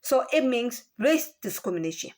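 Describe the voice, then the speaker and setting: Chinese-accented woman with a high voice. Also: very animated, a little mellow. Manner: halting, repeats words, asks rhetorical questions. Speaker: former store employee. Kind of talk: personal account of a workplace complaint.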